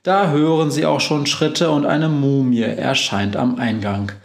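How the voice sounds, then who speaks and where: A man reading a children's story aloud in a measured, expressive way. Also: mid-range voice, vocal fry, roomy sound. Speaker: narrator.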